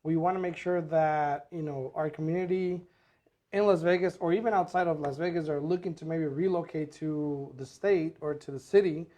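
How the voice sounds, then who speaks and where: A man co-hosting a casual podcast as a real estate agent, relaxed and chatty with many fillers. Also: fairly high pitch, moderate pace. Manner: relaxed, repeats himself, filler-heavy.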